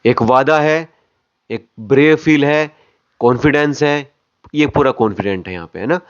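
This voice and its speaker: A man's voice: medium pitch, moderate pace, smooth. A man coaching acting, explaining step by step to the camera and often repeating and rephrasing his phrases. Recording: dull lo-fi audio.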